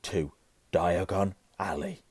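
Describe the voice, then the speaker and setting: A huge, kindly storybook fellow, voiced by a male narrator, hearty and gruff. He speaks in a low, folksy, colloquial way on a dry, close recording. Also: big pitch swings, slow, a little mellow, no echo, full character voice. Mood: businesslike.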